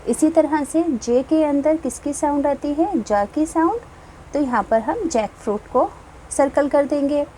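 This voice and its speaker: Slow, patient woman teacher. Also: high-pitched, lively intonation, mellow, a little hiss or hum, low-quality recording. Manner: slow, patient, repeats each English line with its meaning. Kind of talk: explaining a class 1 English textbook.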